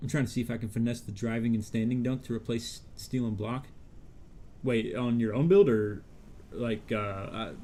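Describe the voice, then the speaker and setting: A man speaks at a moderate pace and medium pitch. His dark, mellow tone has fairly even intonation. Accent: American. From Iowa, US Midwest. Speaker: gaming streamer. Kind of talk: live gameplay stream chat. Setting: live stream. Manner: casual, talkative.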